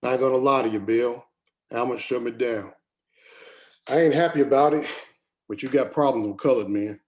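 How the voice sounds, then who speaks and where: A man's voice: mid-range voice, normal speed, darkish tone, lightly acted. A man playing a proud, skeptical miner who speaks plainly, in a screenplay table read. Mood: frustrated.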